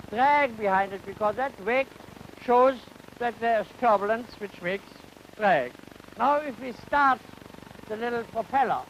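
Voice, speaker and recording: A man lecturing in an educational film demonstration, phrasing things haltingly and deliberately and posing questions to himself. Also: very high voice, fairly bright tone. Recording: noisy 1950 educational film soundtrack.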